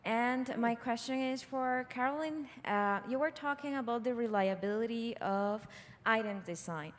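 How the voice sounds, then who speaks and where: A woman's voice: on the high side, moderate pace. A woman from Costa Rica, speaking from the audience at a conference and carefully putting a question to the panel. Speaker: audience member asking a question. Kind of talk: question from the floor. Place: large conference hall. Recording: reverberant conference hall.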